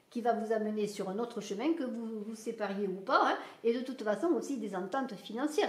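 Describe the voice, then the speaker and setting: With a southern French accent, a woman speaks fairly quickly in a fairly high pitch, her voice carrying audible room echo amid noticeable background noise. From southern France. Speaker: tarot reader. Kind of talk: tarot reading. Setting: home video recording. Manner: hesitant, many fillers.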